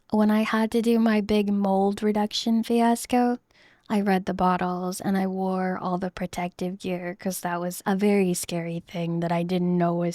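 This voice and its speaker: A woman in her thirties, chatting casually in a soft, rambling way while she draws on stream. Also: medium pitch, no echo, studio quality. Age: 30s. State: losing her voice. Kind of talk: casual chat while drawing.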